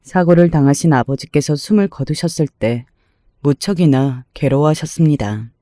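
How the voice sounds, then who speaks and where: A man narrating a true-life family story in a measured, somber way. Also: a little high, dark tone, no echo.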